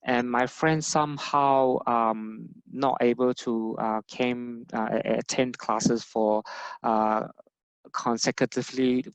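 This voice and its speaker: A man whose first language is not English, telling a personal story in an educational talk and pausing often on filler sounds. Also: medium pitch, steady tone, clear, resonant tone, no echo, poor audio. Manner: hesitant, many filler sounds. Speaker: public health lead presenter.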